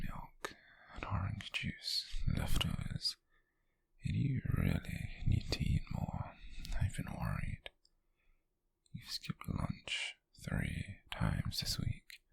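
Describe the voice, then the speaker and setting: This is an ASMR roleplay where a British man, close to the mic, becomes an obsessive and possessive stalker, whispering slow, breathy and raspy with a teasing, sinister edge. His low voice swoops wildly in pitch and sounds a bit bright, with no room sound, in a full character voice that feels unsettlingly attentive.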